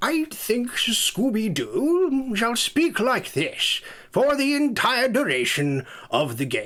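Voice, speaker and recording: Putting on a character voice, a man speaks at a very slow pace in an extremely high pitch. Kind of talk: pompous aristocratic speech. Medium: actual play.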